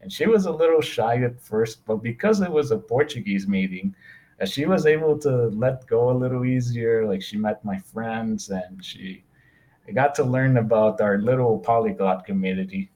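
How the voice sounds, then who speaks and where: Male guest, mid-range voice, relaxed and hesitant delivery. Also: mid-range voice, moderate pace, poor audio. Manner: relaxed, hesitant with many "uh" fillers. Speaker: interview guest. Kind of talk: casual conversational interview.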